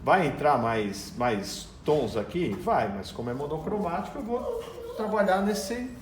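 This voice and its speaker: A man's voice: fairly high pitch, big pitch swings, unhurried, echoey room, a little hiss or hum. A man with a Brazilian Portuguese accent teaching painting step by step, chatting casually as he works in his home garage. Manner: chatty, explains as he works, talks to his dog. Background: dog whining and barking.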